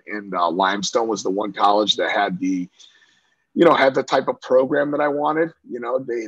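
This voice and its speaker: A man's voice: fairly low pitch, fairly bright tone, no room sound, muffled recording. A middle-aged man from Central New York, a lacrosse coach, talking casually in an interview with lots of fillers and restarts. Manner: talkative, many fillers and restarts.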